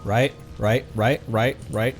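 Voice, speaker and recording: A man's voice: medium pitch, fairly even intonation, takes it slowly. A man giving casual, joking, sarcastic commentary as he streams a game. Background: faint game music.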